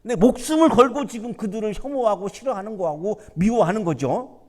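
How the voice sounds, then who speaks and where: A man's voice: high-pitched, animated, brisk, warm tone. A man preaching a sermon as pastor, talking conversationally and asking rhetorical questions. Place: university church sanctuary. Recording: church hall reverb.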